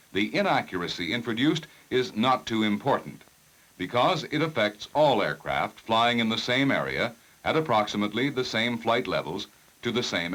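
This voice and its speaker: Deep-voiced male 1960s training film narrator. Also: fairly bright tone, poor audio. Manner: formal, measured, precise enunciation. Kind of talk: scripted technical narration.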